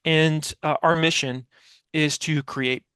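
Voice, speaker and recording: A man's voice: on the high side, steady tone, slow pace, fairly bright tone, smooth, no room sound, studio quality. A man in his forties explaining ideas as an interview guest, emphatic and full of rhetorical questions, on a headset mic. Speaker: guest, communication expert and author. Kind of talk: explanatory interview talk with acted-out example dialogue. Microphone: headset mic on a video call.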